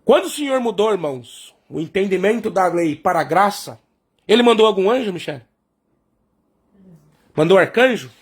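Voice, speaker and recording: A man's voice: high voice, lively intonation, normal speed, long pauses, slightly rough. A man preaching a sermon, who asks questions and answers them himself and keeps calling the congregation brothers. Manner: explains by asking and answering his own questions; addresses the congregation as brothers and sisters.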